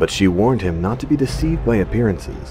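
The speaker talks at a fairly quick pace with very wide pitch swings. Music plays in the background. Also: man. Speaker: voice actor. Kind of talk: storybook narration.

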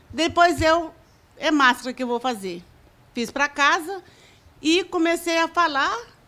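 Bright and sharp in tone, a woman's high-pitched voice moves at a moderate pace with ordinary pitch variation. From Rondônia, Brazil. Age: 60s. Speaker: craftswoman. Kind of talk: interview. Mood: warm, reflective, hopeful. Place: home room.

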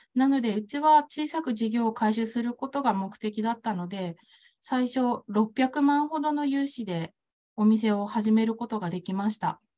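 A woman's fairly high voice in a dark, mellow tone, with ordinary pitch variation at a moderate pace. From Naraha, Fukushima; Fukushima, Japan. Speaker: pastry shop owner. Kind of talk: presentation. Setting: online video event. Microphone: video call.

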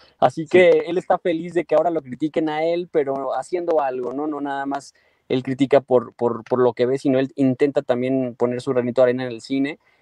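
Fairly quick and with hardly any pauses, a man speaks in a dark, mellow tone at a fairly high pitch, his intonation fairly even and the sound dry and close with no echo. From Mexico. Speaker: actor. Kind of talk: interview.

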